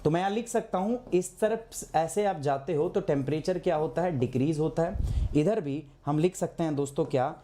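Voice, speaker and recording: A hoarse man teaching a live online geography class, asking his students questions and answering them himself, with English terms mixed in. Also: on the high side, moderate pace, dark tone. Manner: clears his throat often.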